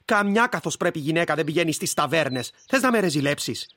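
A man's voice: on the high side, animated, sharp tone, no echo, studio quality. An actor playing an impatient husband who gambles and scolds his wife in curt, exasperated lines. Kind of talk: audio drama acting.

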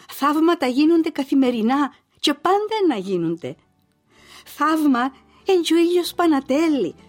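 An actress with a Cypriot Greek accent playing a devout, pious old mother who is gentle but stern. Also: high voice. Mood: soothing. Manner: pious, scolding, lively speech.

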